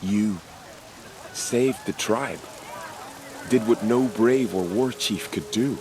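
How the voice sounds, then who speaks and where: Deep, grave young tribal warrior. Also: male voice, noisy background. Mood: awed, grateful. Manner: grave, solemn, deliberate. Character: earnest, battle-weary young tribal warrior. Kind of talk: video game cutscene acting.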